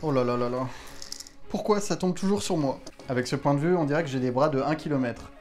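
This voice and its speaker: A man's voice: on the high side, lively intonation, fast, a little mellow, soft background music. A man hosting a casual unboxing vlog, talking to viewers in a playful, self-mocking way from a room at home. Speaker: YouTube host testing gadgets.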